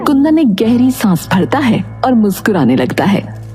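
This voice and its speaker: Casting: female story narrator, somewhat high, very lively pitch, faint music underneath. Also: normal speed.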